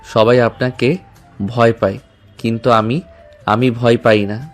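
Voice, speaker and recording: An actor playing a shy, nervous young man who speaks in a hesitant, halting way in an audio drama. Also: mid-range voice, steady tone, faint music behind, lightly acted. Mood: flustered.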